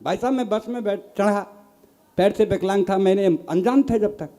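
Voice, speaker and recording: An older man from Rajasthan's Bharatpur district performs stand-up comic poetry at a live poets' gathering, his high-pitched voice dark in tone and moving at a moderate pace. He spins teasing, folksy stories and calls his listeners "sahib."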